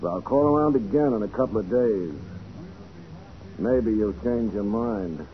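An actor playing a smug small-time racketeer who taunts and threatens in an old radio crime drama. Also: male voice, on the low side, unhurried, close to an everyday voice. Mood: quietly threatening. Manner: taunting, smooth-talking threats. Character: menacing small-time racketeer, smug strong-arm crook. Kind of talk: 1940s radio crime acting. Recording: muffled, noisy 1940s radio recording.

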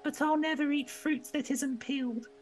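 A sulky, hungry wooden puppet boy whimpers in a squeaky falsetto pitched far above a grown voice. The storybook reading has a soft music bed behind it. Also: fairly even intonation, normal speed. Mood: fussy.

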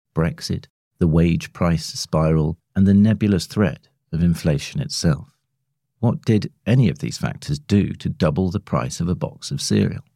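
A man's voice: deep voice, vocal fry, warm tone, dry recording, clean studio sound. A man narrating a magazine article from a script. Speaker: narrator of a magazine long read.

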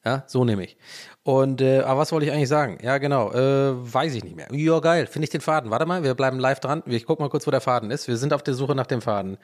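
This fast-talking, medium-pitched man runs a solo podcast at home and speaks with a German accent. The monologue rambles; he pokes fun at himself, drifts off track, and begins again.

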